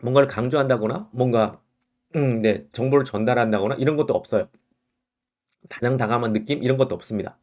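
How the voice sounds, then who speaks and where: A man's voice: mid-range voice, quick pace, darkish tone. A man whose first language is Korean, teaching English word use and patiently repeating the example phrases.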